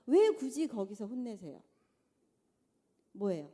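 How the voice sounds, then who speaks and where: A middle-aged woman giving a conversational church lecture to mothers, animated and often asking the audience questions. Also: fairly high pitch, measured pace. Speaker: guest lecturer. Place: large church hall. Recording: long church hall reverb.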